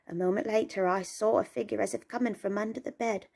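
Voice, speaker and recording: An uneasy young housemaid played by a woman gives her ghost testimony plainly and haltingly. Her mid-pitched voice has a marked creak, as in a period dramatic reading. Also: steady tone, dark tone. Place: indoors, small room at home.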